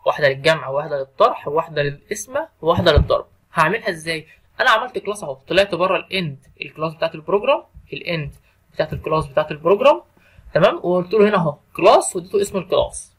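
A man's voice: fairly high pitch, fairly bright tone, husky. A middle-aged man with an Egyptian Arabic accent, teaching a programming lesson over a screen recording and asking himself questions, then answering them. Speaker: programming lecturer.

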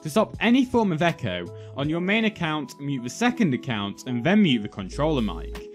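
A young man narrates a scripted how-to guide in a fairly high voice with very animated intonation. He lays out instructions step by step as a video host. Music plays softly behind him. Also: normal speed. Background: background music.

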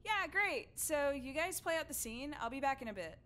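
High-voiced, bossy teenage girl, very animated. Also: normal speed. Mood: brisk, directing. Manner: self-important, scolding. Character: bossy, thin-skinned teenage girl acting as class teacher. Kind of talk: video game voice acting.

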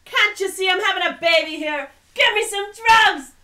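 A woman's voice: very high-pitched, moderate pace, bright, forceful tone, far from the mic. An actress playing a brassy young woman in labor, panting and scolding the men around her. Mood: exasperated. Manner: brassy, bossy, out of breath. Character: Mary, young woman in labor, sharp-tongued.

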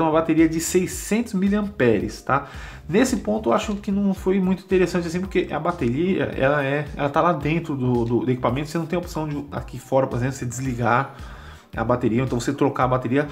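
A man with a Brazilian Portuguese accent giving a casual, informal product demonstration, often adding short tag questions as he goes. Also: fairly high pitch. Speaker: product reviewer and drone vlogger.

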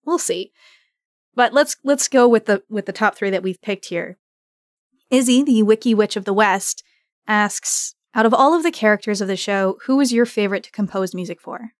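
A woman's voice: medium pitch, normal speed, no echo, clean studio sound. A woman hosting a conversational interview, putting questions to a guest. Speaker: interviewer, host.

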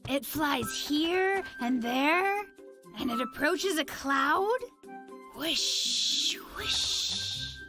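A big, dreamy cartoon bear with a high, bright voice. The delivery is very slow, simple and enthusiastic, made for a children's show. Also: wildly swooping pitch, faint music behind, heavily acted. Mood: dreamy, cheerful.

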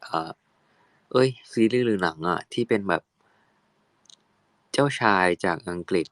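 Young male actor, low-pitched and unhurried, dry close phone sound, playful casual fan chat. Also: lively intonation, fairly bright tone, no room sound. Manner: chatty, playful, switches into halting English.

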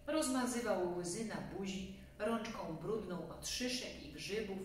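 A woman's voice: mid-range voice, unhurried. A woman in her forties reading a children's storybook aloud in a narrator's style. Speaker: storybook reader. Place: small room at home, seated on a sofa. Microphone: distant camera microphone. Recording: very echoey room, distant mic, faint hum.

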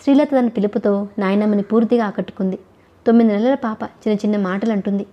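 A woman narrating a novel as an audiobook reader, in a steady, even storytelling manner. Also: mid-range voice, quick pace, dull audio.

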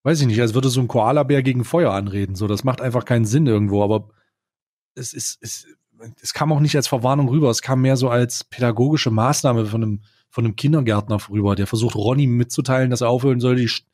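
A man chatting on a podcast with ironic, mock-formal phrasing. His pitch is ordinary middle range. He talks casually and at length. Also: quick pace, a little mellow, dry recording, studio quality. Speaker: podcast co-host. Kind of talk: casual chat.

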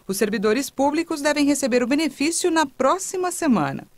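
A woman reporter reading a news report voice-over in a brisk, even narration. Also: a little high, no echo.

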